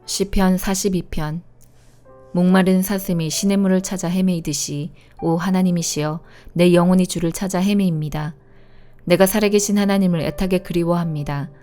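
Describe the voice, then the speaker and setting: A woman reads scripture aloud in a measured, unhurried way. Her voice sits a little low and sounds mellow and warm. Faint instrumental music plays behind her. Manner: steady, calm, measured reading. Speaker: Bible reader. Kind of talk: scripted Bible reading.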